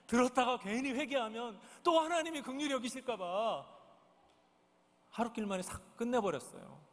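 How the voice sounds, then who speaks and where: A high-voiced male pastor preaches to his congregation, earnest and searching, often turning his points into questions. His voice rings through a large church sanctuary with a long reverb trailing each phrase. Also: animated, normal speed, fairly bright tone. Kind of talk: sermon. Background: congregation present.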